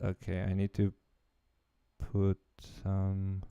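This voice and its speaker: A man chats casually on a livestream, hesitating and thinking aloud as he works. His voice is low and smooth, recorded close and dry. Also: monotone, slow pace, dry recording, narrow, tinny audio. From Romania. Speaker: livestream host.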